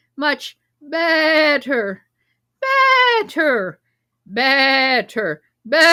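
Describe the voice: A woman's put-on character voice, squeaky and high-pitched, at a very slow pace with long, frequent pauses and lively intonation.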